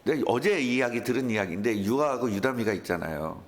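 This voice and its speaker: A man's voice: mid-range voice, fast. A male pastor preaching a sermon, telling stories and acting out the voices of the people in them. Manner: animated storytelling with acted quotes.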